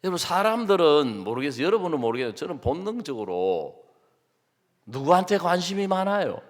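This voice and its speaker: A man preaching a sermon as a pastor, acting out his arguments and prayers, dropping to hushed asides and rising to loud outbursts, often asking the congregation short questions. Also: fairly high pitch, sing-song, brisk. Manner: dramatic, swings between soft asides and loud outbursts. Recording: long hall reverb.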